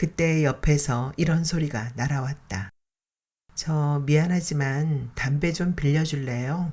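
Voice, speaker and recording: Very slowly, a woman speaks at a very deep, low pitch, somewhat breathy. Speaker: audiobook narrator. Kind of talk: audiobook fiction reading.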